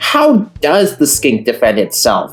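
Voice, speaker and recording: Faint music plays in the background as a put-on character voice at a middle pitch speaks at a fairly slow pace. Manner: playful, cartoonish.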